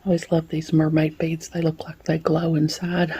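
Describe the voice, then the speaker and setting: A woman, hoarse from a cold, showing and describing beads in a casual unboxing vlog. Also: deep voice, completely flat delivery, moderate pace, slight background noise. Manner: soft-spoken, drops to whispers at times. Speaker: bead unboxing vlogger. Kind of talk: casual show-and-tell unboxing.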